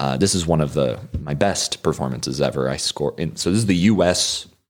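Over a very clean recording with a silent background, a man with an American accent speaks in a very deep, low pitch with vocal fry. His pitch varies in an ordinary way. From United States. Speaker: chess player. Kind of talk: casual interview. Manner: loud; animated.

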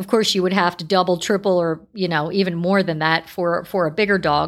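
A woman talks in a normal speaking voice at a medium pitch with fairly even intonation. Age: 50s. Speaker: podcast host and dog sanctuary caretaker. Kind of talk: solo podcast monologue. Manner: casual, with many fillers.

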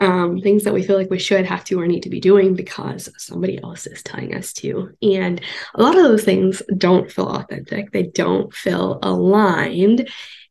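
A woman's voice shows big swings in loudness. Noticeable background noise runs underneath. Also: moderate pace. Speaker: podcast host, knitting pattern designer. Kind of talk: casual podcast monologue. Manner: casual, many filler words.

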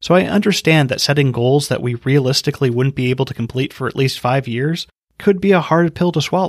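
Recorded very cleanly against a silent background, a man with a fairly high pitch has a normal speaking voice, speaking at a fairly quick pace with ordinary pitch variation. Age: 30s. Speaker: podcast host. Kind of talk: solo educational podcast.

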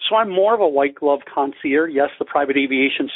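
A man with a fairly high-pitched voice speaks very fast. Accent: Upper Midwest. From Wisconsin, US Midwest. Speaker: business founder. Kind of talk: interview. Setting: remote call.

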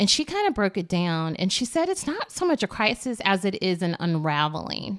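In a very clean recording against a silent background, a woman talks at a moderate pace at medium pitch in an ordinary speaking voice. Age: 40s. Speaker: podcast host. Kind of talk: solo monologue.

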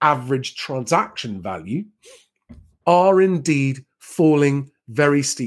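A man with a southern English accent speaks in an animated tone on a very clean recording with a silent background. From England, Sussex. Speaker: property market commentator and estate agency founder. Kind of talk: impromptu live stream commentary. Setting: live stream with screen share.

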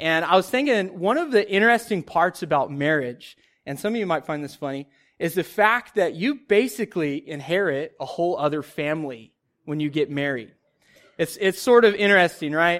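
At a fairly quick pace, a man with an American accent speaks in a high voice with lively intonation, in a very clean recording with a silent background. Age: 20s. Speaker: guest preacher. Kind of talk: sermon. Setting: church service with congregation. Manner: casual, conversational.

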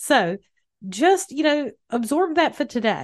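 A woman talks at a moderate pace with lively intonation against a quiet background. She has a normal speaking voice. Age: 50s. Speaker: podcast host. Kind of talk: motivational monologue. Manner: casual, conversational with fillers.

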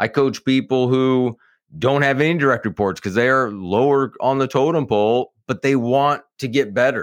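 A man with an ordinary speaking voice at medium pitch, ordinary pitch variation, a moderate pace and very even loudness, against a quiet background. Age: 40s. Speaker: business coach. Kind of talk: interview.

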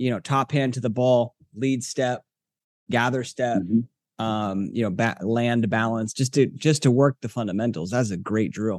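A man with an American accent and an unremarkable speaking voice speaks at a moderate pace and medium pitch with ordinary pitch variation, the sound dry and close with no echo. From US West Coast, Bay Area (Santa Rosa). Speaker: podcast host, lacrosse goalie coach. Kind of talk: casual interview.

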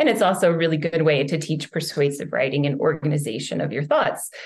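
This woman has a normal speaking voice. She talks at a fairly quick pace with a fairly low pitch. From US South, Jackson, Mississippi. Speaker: educator and author. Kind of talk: casual interview chat.

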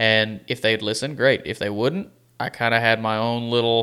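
In a Texan accent, a man speaks at a moderate pace and medium pitch on a very clean recording with a silent background. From Texas (Fort Worth area, Bowie). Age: 20s. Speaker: hat shaper. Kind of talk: casual interview chat. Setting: studio.

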